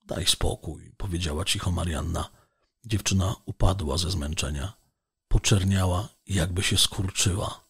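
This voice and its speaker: Mężczyzna czytający powieść jako lektor audiobooka, miarowo i spokojnie. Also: male voice, low voice, normal speed, vocal fry, breathy edge. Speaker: audiobook narrator. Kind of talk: scripted narration of a novel.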